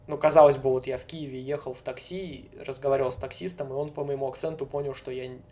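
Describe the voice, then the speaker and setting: Flat-voiced Siberian-born man, hedging. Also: medium pitch, fast talker. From Novosibirsk, Siberia, Russia. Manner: relaxed, hedging with frequent fillers, chuckles often. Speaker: guest. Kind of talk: casual conversation.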